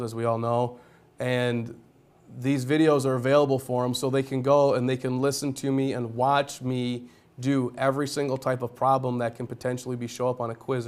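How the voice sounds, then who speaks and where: A man who teaches geometry speaks in a loud, smooth, resonant voice. He explains his classroom setup plainly, one step at a time, like a demonstration for colleagues. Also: medium pitch. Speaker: high school geometry teacher.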